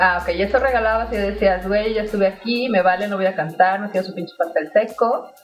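A woman with a Mexican accent talks at a very fast pace with hardly any pauses, her pitch medium, while music plays in the background. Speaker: internet radio host. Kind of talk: casual chat. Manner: animated.

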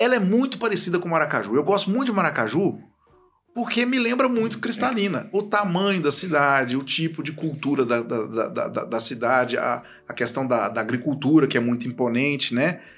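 With music in the background, a man talks at a fairly quick pace and a fairly high pitch, his voice making very wide pitch swings. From Goiás, Brazil (born in Minas Gerais). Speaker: physician. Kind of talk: casual interview chat.

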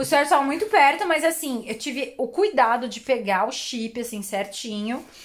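Amid noticeable background noise, a woman with a high pitch talks at a moderate pace with lively intonation. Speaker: amateur marathon runner. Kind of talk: casual chat. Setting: hotel room.

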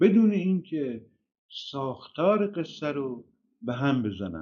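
At a very slow pace, a man with a fairly high pitch speaks in very wide pitch swings. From Khuzestan, Iran (Shushtar). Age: 70s. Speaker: writer and translator. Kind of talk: interview. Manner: halting.

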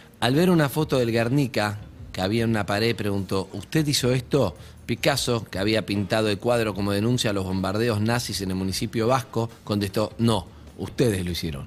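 Fairly low in pitch, a man talks at a fairly quick pace in an ordinary speaking voice with ordinary pitch variation. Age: 50s. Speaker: radio host. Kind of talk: casual chat.

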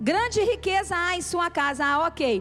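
An animated woman speaks in a Brazilian accent. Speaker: preacher. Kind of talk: sermon, preacher in full flow. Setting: church with congregation, streamed online. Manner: animated, fervent, call-and-response with the congregation; exhorting, rhythmic, urgent.

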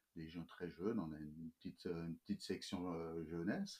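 A man's very deep, low pitch carries a dark, mellow tone at a moderate pace. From Switzerland, Vaud (Yverdon area). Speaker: head of a lake rescue society. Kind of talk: interview. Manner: halting, many repetitions and fillers.

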